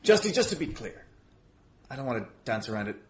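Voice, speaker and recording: Swinging widely in pitch and talking quickly, a medium-voiced man appears as a podcast guest who promotes wrestling shows. He plays along in an improvised comic spat, placating and apologizing with hesitation.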